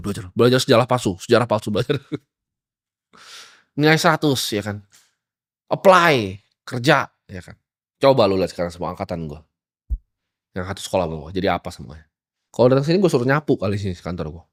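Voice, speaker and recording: A young man giving a blunt, provocative motivational talk, mocking and casual. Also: fairly high pitch. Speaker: motivational speaker.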